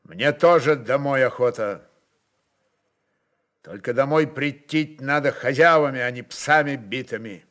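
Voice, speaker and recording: A man voicing a forceful Cossack chieftain in a storybook reading, speaking in curt, authoritative, barking phrases. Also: mid-range voice, unhurried, natural voice. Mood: firm, rallying.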